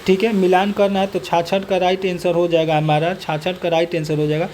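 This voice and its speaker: A teacher with a mellow, warm tone goes through a multiple-choice test. Each question is read twice, and the answer comes in the same steady set phrase every time. Faint background hiss sits under the voice. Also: mid-range voice, a little fast. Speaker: exam coaching teacher. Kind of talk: reading and solving quiz questions.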